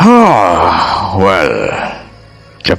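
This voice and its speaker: A man's put-on character voice with faint music in the background. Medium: audio drama. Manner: smooth, mixes English endearments into Hindi.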